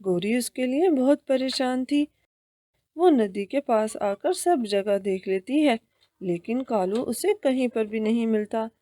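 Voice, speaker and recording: Lady narrating a kids cartoon, high voice, dry close sound. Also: warm tone, no echo. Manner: plain storytelling.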